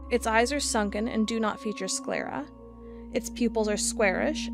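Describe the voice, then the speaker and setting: An actress playing a determined, plain-spoken FBI agent in an audio drama, matter-of-fact and wry. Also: female voice, on the high side. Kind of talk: audio drama dialogue and recorded-log monologue.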